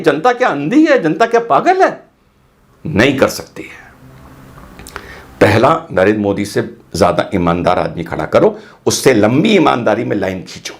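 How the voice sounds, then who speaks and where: A man giving heated political commentary, combative and firing off rhetorical questions and rapid lists. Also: fairly high pitch.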